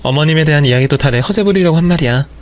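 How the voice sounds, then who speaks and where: A man's voice: a little high, rapid-fire, natural voice. A man playing a defensive young wife who stammers and pleads with her husband. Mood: pleading. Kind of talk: audio drama storytelling.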